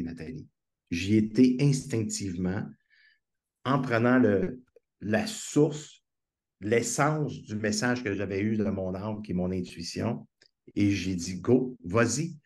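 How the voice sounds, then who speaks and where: A man's voice: on the low side, darkish tone. Earnest Québécois man telling stories. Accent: Québécois French. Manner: earnest storytelling, enthusiastic. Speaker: guest speaker. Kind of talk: conversational interview.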